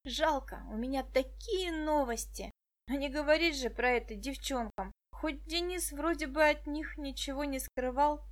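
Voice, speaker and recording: A woman's voice: high voice, normal speed, natural voice. A woman voicing a cheeky village boy. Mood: musing.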